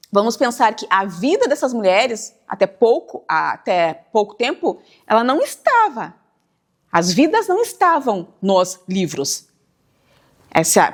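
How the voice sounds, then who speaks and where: A woman writer from Brazil, speaking in a measured, thoughtful way as an interview guest. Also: mid-range voice. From southern Brazil, near the Uruguay border. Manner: measured, thoughtful, stretches words while thinking. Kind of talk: reflective interview talk.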